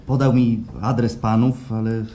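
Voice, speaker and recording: An actor playing an unsure, downcast client in a radio play, speaking politely in a halting, tentative stammer. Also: male voice, medium pitch, little pitch movement, warm tone, natural voice. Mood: hesitant. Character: hesitant, unsure, downcast male client seeking help. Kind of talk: naturalistic radio play acting. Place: performed live at a radio theatre festival. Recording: roomy live stage sound, faint noise.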